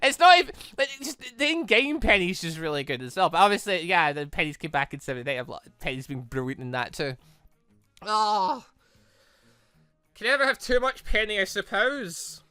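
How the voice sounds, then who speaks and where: Excitable gamer doing lets play chat, rambly n casual, pitch all over, dry mic, bit of music behind. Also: moderate pace, clear, resonant tone, no echo. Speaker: gaming video host. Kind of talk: casual let's-play commentary and rambling fan opinion.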